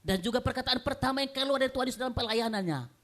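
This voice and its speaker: A woman pastor preaching a sermon, emphatic and repetitive, swinging between soft and loud passages. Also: sits high, rapid-fire, faint music behind. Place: church.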